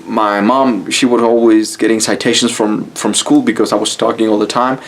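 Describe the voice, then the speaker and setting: A Mexican man with a Mexican Spanish accent, speaking English as a second language, coaches on YouTube in a fairly low voice with fairly even intonation. At a moderate pace, he gives a blunt, casual motivational talk to camera and swears freely.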